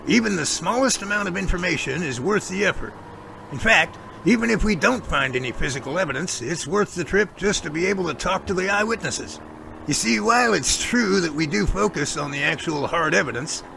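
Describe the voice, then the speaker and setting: A man playing an earnest, self-assured Bigfoot investigator in an audio drama, explaining things in measured, speech-like lines. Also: sits high, gravelly, bright, forceful tone, a little hiss or hum, full character voice, low-quality recording. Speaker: actor in a Sasquatch audio drama. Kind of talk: amateur audio drama dialogue.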